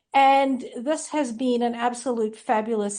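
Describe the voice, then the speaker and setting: Against a quiet background, a woman with a South African accent speaks with fairly even intonation. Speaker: franchise marketing consultant. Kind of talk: podcast interview.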